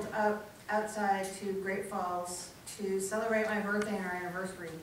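The voice is monotone and flat, with audible room echo and light background noise. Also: woman. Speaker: amateur poet. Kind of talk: poetry reading, original poem read aloud to an audience. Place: hall.

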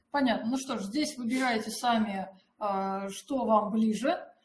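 A woman speaks at a very slow pace with a fairly high pitch and ordinary pitch variation. Light background noise and audible room echo are present. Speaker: webinar presenter. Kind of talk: webinar presentation. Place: studio.

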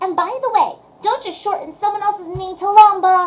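This female-sounding, put-on character voice sits at an extremely high pitch. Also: fairly quick pace. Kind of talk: audio drama audition. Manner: bratty, taunting.

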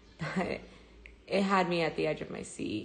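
Over light background noise, the speech moves at a very slow pace. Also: woman. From Mexican-American family, bilingual. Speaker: livestreamer. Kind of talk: casual live stream chat. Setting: family ranch in Mexico, phone livestream. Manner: low energy. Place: home room. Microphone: phone near.

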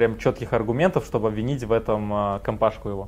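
A man speaks with vocal fry. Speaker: YouTube show host. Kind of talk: interview conversation.

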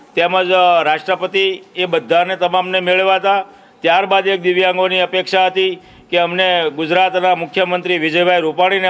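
A man's high-pitched voice. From Gujarat, India. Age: 50s. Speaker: politician, member of legislative assembly. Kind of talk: interview statement to news camera. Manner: halting. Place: hall.

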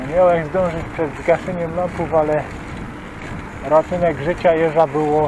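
With a Silesian accent, a man speaks fairly slowly in a fairly high, monotone voice, the sound dry with no echo but with noticeable background noise. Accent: Silesian Polish. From Upper Silesia, Poland. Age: 30s. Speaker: cycling vlogger. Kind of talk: casual vlog monologue. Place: bicycle. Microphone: camera far.

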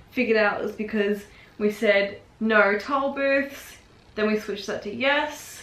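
Speaking at a fairly slow pace with ordinary pitch variation, a woman is heard in a room with audible echo. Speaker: vlogger. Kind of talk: casual vlog chat. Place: home room. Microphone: phone near.

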